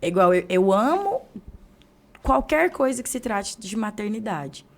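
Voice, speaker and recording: A young Brazilian woman hosts a podcast interview in casual chat, with a Brazilian Portuguese accent. She tells anecdotes animatedly, acting out the people in them. Her voice sits at an ordinary middle pitch. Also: unhurried. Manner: animated storyteller, acts out dialogue. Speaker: podcast host.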